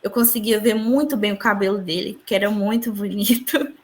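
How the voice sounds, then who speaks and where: A young woman earnestly recounting a personal spiritual experience in an interview, often dropping to quiet tones. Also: medium pitch, fairly quick. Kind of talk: emotional personal testimony.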